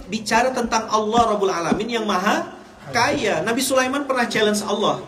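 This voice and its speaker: Indonesian preacher, man, rather high voice, jokey crowd-teasing sermon, echoey hall. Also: fairly bright tone. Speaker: Islamic preacher. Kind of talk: humorous sermon to a live audience. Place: hall in Japan.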